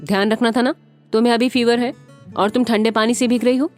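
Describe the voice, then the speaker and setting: A woman voicing a caring young husband who speaks calmly and scolds gently. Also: lowish voice, brisk, faint music behind, close to an everyday voice. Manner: gentle, calm, mildly scolding.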